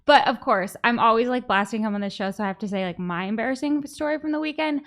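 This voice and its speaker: A woman's voice: on the high side, fairly bright tone. Bubbly, chatty woman hosting a podcast. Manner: bubbly, chatty, quick bursts with laughter. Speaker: host. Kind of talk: casual podcast chat.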